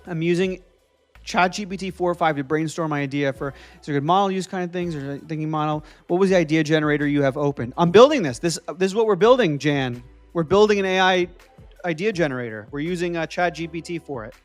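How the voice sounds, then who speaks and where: A young man from New Jersey hosts a casual live stream, thinking out loud as he works and answering viewers. His voice sits a little high for a man. Faint music plays quietly behind him. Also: quick pace. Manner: thinking aloud while coding, answering viewer chat.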